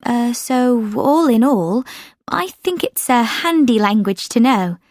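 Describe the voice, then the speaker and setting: A woman's voice: a little high, animated, takes it slowly, a little mellow, dry recording, studio quality. A woman whose first language is French, giving scripted exam answers steadily, with frequent fillers. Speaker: sample answer speaker.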